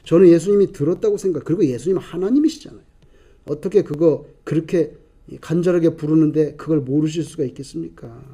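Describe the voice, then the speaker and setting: A male pastor preaching a sermon in an animated way, acting out the scene and asking the congregation rhetorical questions. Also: on the high side, quick pace, husky.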